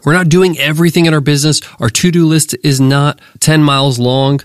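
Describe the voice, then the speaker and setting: A man hosts a business podcast lesson with a voice on the high side and a bit bright. He sounds nasal and congested from a cold but speaks straight to his listeners in an upbeat, motivational way. The studio-quality recording has no echo.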